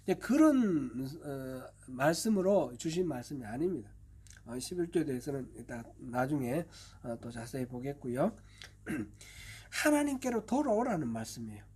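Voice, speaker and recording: Husky pastor man, throat-clearing. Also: mid-range voice, big pitch swings, normal speed, mellow. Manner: explanatory, patient, many fillers; often clears his throat. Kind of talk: expository Bible teaching sermon. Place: church service.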